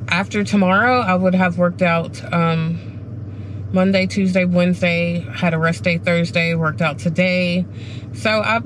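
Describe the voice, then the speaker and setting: A middle-aged woman vlogging casually to a dashboard camera in a car, talking in a candid, rambling, self-reflective way. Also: fairly low pitch. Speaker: running vlogger. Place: sitting inside a parked car. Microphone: camera mounted on the dashboard. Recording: clear car and background noise.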